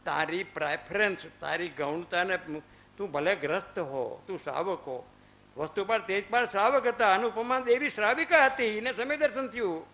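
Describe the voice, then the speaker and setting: A spiritual speaker in his fifties addresses listeners at an ashram in a bright, forceful voice that sits high and moves at a moderate pace. He weaves stories with quoted lines and rhetorical questions, though the audio is poor.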